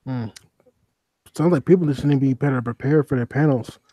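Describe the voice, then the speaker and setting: A man's voice: medium pitch, fairly quick, mellow, dry recording. A man talking casually in a conversation on a stream. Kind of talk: casual chat.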